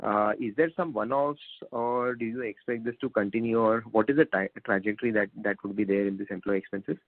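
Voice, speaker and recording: Male analyst, Indian accent, fairly low pitch, stop-start questioning, thin phone audio. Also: fairly even intonation, no echo. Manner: halting, repeats himself. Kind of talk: earnings call questioning. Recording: narrowband phone line.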